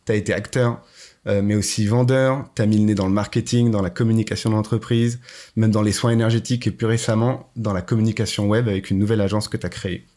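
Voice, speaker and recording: A man's voice: fairly low pitch, fairly even intonation, fast talker, warm tone. A man hosting a podcast, asking questions in a friendly, informal way with many fillers. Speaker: podcast host. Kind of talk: casual interview.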